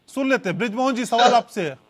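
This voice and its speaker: A male debate anchor with a very high, strained-sounding pitch. He presses and cuts in on his guests, hammering the same challenge again and again in a studio debate. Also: expressive, quick pace.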